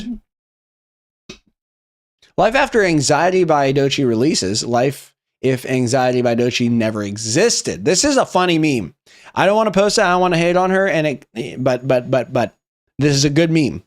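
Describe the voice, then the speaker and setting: A man's voice: mid-range voice, lively intonation, moderate pace. A young man casually reading out viewer memes on a live stream and riffing on them, often swearing and laughing. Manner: reads memes aloud and riffs, swearing, laughing.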